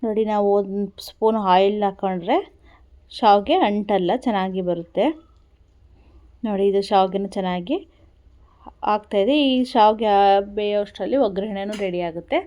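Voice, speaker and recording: A woman's voice: medium pitch, steady tone, moderate pace, long pauses, warm tone. A woman with a Kannada accent, talking viewers through a recipe at an easy pace in a casual cooking vlog, repeating simple instructions. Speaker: cooking vlogger.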